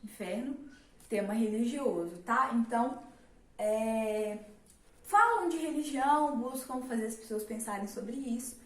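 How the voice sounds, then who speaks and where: A woman's voice: on the high side, expressive, measured pace. A young woman teaching a casual literature lesson, chatty, with many fillers and rhetorical questions. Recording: roomy, mic at a distance.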